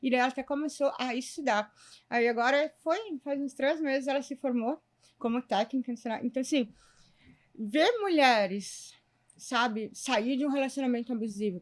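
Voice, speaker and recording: A Brazilian woman with a high, bright-sounding voice recounts a case in a relaxed chat. She speaks as a lawyer and acts out each quoted line of the exchange, bringing the dialogue to life. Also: normal speed. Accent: Brazilian Portuguese. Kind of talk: conversational storytelling.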